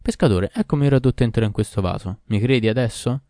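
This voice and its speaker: A man's voice: medium pitch, fast talker, dark tone, dry recording, clean studio sound, lightly acted. A man voicing a proud and cruel ancient male jinn in a storybook reading, in a solemn, declaiming manner. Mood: menacing.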